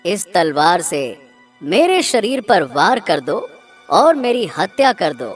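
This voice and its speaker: Man as a theatrical cursed black swan, swooping pitch. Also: very animated, takes it slowly, soft background music, full character voice. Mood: impressed, grave. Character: cursed black swan, a sly prince in bird form.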